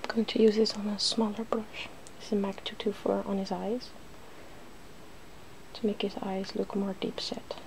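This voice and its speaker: A woman hosting a casual ASMR makeup demonstration, soft-spoken and often dropping into a whisper. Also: medium pitch, flat delivery, moderate pace, gravelly, pauses often. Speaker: ASMR video host. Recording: faint background noise.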